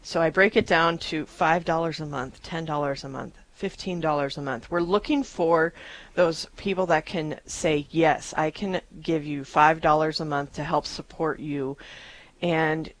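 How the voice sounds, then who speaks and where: A woman's voice: low voice, fairly even intonation, measured pace, no room sound, low-quality recording. A woman hosting a live radio fundraiser, upbeat and chatty, thanking donors and repeating the phone number.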